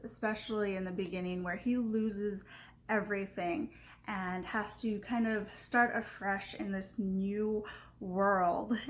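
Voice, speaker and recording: Slow-paced woman with a Valley Girl accent. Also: mid-range voice, slight background noise. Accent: Californian Valley Girl. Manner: thoughtful, halting, trailing phrases with frequent "like". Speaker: book reviewer. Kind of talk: casual unscripted video review.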